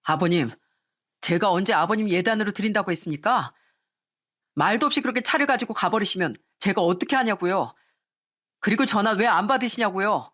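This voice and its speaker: A woman's voice: mid-range voice, animated, a little fast, fairly bright tone. A woman voicing a polite but frustrated young groom-to-be in a radio story. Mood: exasperated.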